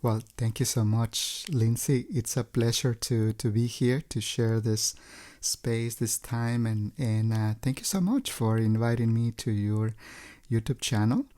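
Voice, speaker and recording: A man's voice: mid-range voice, measured pace, warm tone. A man from Mexico with a Mexican Spanish accent, a native Spanish speaker, telling his story politely and chattily, repeating words as he goes. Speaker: podcast guest. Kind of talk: casual interview.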